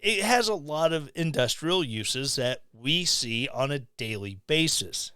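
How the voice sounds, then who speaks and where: Slow, sarcastic middle-aged man ranting. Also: on the high side, animated, pushed and bright, smooth, no echo, studio quality. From Missouri, USA. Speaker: podcast host. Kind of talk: opinion commentary. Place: small home room. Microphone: studio mic on stand, close.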